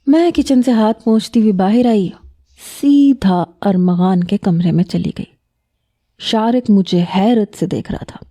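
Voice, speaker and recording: A woman narrating a first-person story in a calm, steady storytelling manner. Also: mid-range voice.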